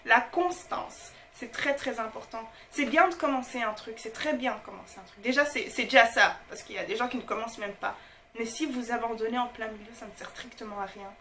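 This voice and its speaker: A woman's voice: fairly high pitch, a little fast, fairly bright tone, a little hiss or hum. A woman speaking in casual, motivational talk to her viewers, emphatic and informal, repeating her key phrases. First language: not French. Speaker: motivational online host.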